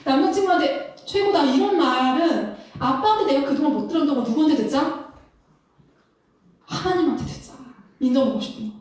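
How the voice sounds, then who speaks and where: Woman, high lively voice, Christian counselor, animated lecture, laughs a lot, very echoey room, a bit off-mic. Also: recorded from a distance. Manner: animated, laughs often, acts out couples' lines. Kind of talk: lecture-style talk.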